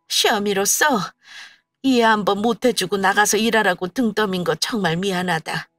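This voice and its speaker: A woman's voice: mid-range voice, fairly bright tone, no echo, studio quality. Woman voicing a whiny older mother-in-law. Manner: whiny, complaining.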